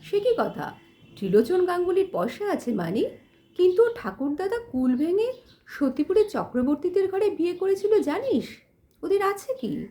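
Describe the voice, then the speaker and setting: A woman's voice: very high voice, big pitch swings, moderate pace, warm tone, voice pushed up, heavily acted. A woman voicing an indignant, caste-proud older brother in a storybook narration, scolding and emphatic. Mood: astonished, scornful.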